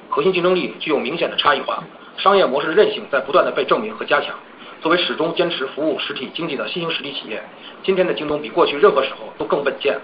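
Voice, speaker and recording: A man formally delivering prepared executive remarks on a corporate earnings call. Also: fairly high pitch. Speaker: company executive. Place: conference call. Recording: dull conference call, faint noise.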